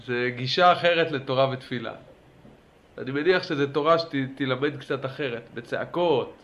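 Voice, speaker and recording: A man teaching a religious class in a lively lecture style, urging his listeners on and asking them questions. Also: mid-range voice, muffled recording. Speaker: Torah teacher.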